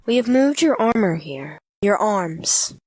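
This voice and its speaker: A woman's voice: mid-range voice, very animated, slow pace, darkish tone, dry recording. A woman acting a ceremonious member of a sinister secret cult in a radio drama. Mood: solemn, urging.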